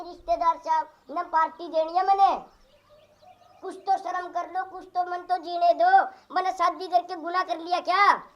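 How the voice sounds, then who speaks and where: A harried young husband in a cartoon begs his quarreling mother and bride to calm down, voiced by a performer. His voice is very high and squeaky. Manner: pleading, then angry. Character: young husband caught between wife and mother.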